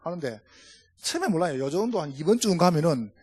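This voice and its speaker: A middle-aged male pastor with a Gyeongsang Korean accent tells jokey stories from the pulpit. His fairly high voice rises and falls a great deal and has a husky edge. The sound is close and dry. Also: fast talker, no room sound. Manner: storytelling, jokey, animated. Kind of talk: humorous sermon to pastors. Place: church.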